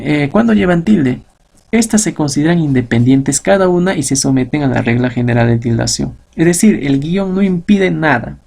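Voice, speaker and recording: A male teacher gives a recorded grammar lesson. His voice is husky and gravelly, sitting a little high for a man. He explains step by step, posing questions to himself and answering them. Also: darkish tone.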